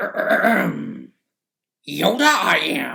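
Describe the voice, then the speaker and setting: A man puts on a raspy character voice pitched extremely high. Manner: impression.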